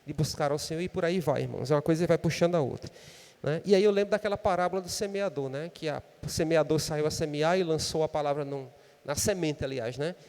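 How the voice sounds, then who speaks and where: In a church, a man with a Brazilian Portuguese accent preaches conversationally, frequently ending sentences with a questioning "né?". His voice is on the high side, fast, and darkish, with a long reverb tail.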